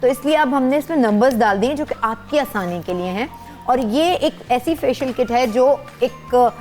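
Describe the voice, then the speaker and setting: A middle-aged woman doctor with a high voice walks viewers through skincare step by step. Her tone is patient and instructive, like someone used to advising patients. Faint music plays under her. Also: expressive, moderate pace, a little mellow. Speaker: skin doctor guest. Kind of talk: explaining products on a talk show.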